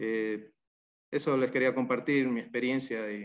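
A man talks at a medium pitch and a fairly slow pace. His intonation is fairly even over a quiet background. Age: 30s. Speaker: university student. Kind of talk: testimony. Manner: halting, repeats words. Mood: humble, proud, grateful. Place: home room. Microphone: video call.

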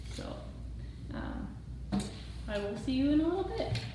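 A woman is speaking here. There is audible room echo and noticeable background noise. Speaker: craft presenter. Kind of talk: casual craft tutorial. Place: meeting room. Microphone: camera far.

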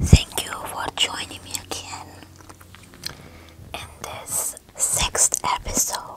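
Whispering at a very slow pace, a woman leaves long, frequent pauses while her loudness swings widely, over noticeable background noise. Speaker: independent author. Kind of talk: casual talk to camera. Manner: whispered.

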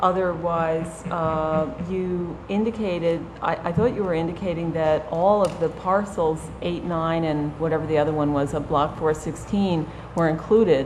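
At a moderate pace, a woman with a fairly low voice and fairly even intonation is heard with audible room echo and noticeable background noise. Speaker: town trustee. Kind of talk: board discussion. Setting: municipal board meeting. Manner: hesitant, many fillers.

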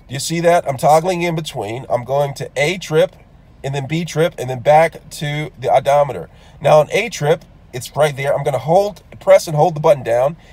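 This man talks at a moderate pace with ordinary pitch variation. His voice is somewhat breathy, and the sound is dry with no echo. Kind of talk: tutorial. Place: car. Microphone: phone near.

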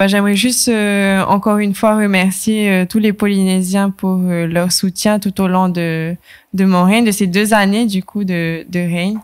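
Against a quiet background, a woman speaks fairly slowly in a flat monotone. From French Polynesia, Tahiti; French Polynesia. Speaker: beauty pageant titleholder; radio guest. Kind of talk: radio interview. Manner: hesitant, many fillers. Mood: grateful, emotional. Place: studio. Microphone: studio mic.

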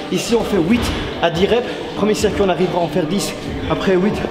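This is a man speaking. Clear music plays in the background. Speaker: fitness youtuber. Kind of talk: tutorial. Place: gym.

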